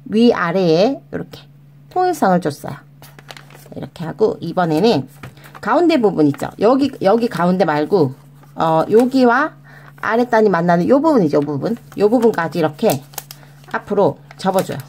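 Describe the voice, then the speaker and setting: A woman's voice: medium pitch, very animated, normal speed, darkish tone, a little hiss or hum. A woman hosting a children's origami tutorial, guiding step by step in a coaxing, sing-song way and talking to the kids as her friends. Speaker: children's origami channel host.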